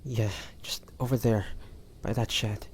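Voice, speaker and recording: A man playing a wounded, devoted young demon hunter in an audio drama, speaking in a halting, breathy, pained way. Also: on the low side, fairly even intonation, slight background noise. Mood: exhausted, pained. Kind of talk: dramatic audio roleplay acting.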